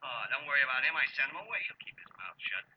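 An actor playing a gloating, mock-polite nightclub owner turned blackmailer, in 1940s radio style. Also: male voice, medium pitch, sing-song, rapid-fire, close to an everyday voice. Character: smug male nightclub-owning blackmailer, coolly menacing. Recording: muffled, noisy old radio recording.

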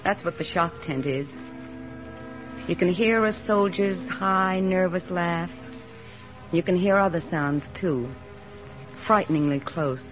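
An actress playing a steady, plain-spoken army nurse lieutenant who narrates and soothes wounded men in a 1940s radio drama. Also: female voice, lowish voice, a little slow, long pauses, close to an everyday voice. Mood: somber. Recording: dull old radio broadcast with music.

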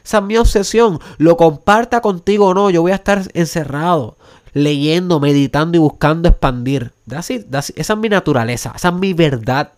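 Emphatic Puerto Rican podcast host. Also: male voice, fairly high pitch, a little fast. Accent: Puerto Rican Spanish. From Puerto Rico. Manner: emphatic, rising to urgent rhetorical questions; drops English words into Spanish. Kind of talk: motivational podcast monologue.

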